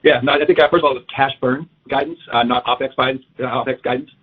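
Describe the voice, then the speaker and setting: A man's voice: medium pitch, fairly even intonation, quick pace, breathy edge. A man speaking as a finance executive answering questions on an earnings call, careful and stammering through restarts. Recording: tinny conference call phone line.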